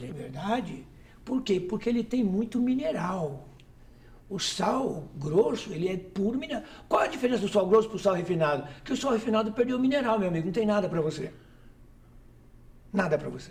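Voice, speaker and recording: A man with a high pitch talks fairly quickly with lively intonation, taking long, frequent pauses. Noticeable background noise runs underneath. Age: 70s. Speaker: naturopath and clinical nutritionist. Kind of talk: interview answer.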